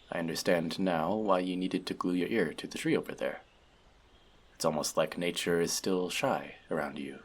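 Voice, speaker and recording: A man playing a wise, teasing, gentle elf friend and magic mentor in a fantasy audio roleplay, talking conversationally and reflectively to the listener. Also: deep voice, slightly rough, exaggerated voice. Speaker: voice actor.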